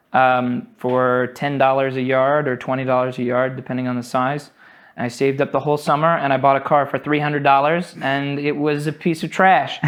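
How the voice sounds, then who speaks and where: A man with an American accent speaks at a fairly quick pace. His pitch is fairly high, with fairly even intonation. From US Midwest, South Dakota. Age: 20s. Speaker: army veteran and mechanic. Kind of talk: podcast interview.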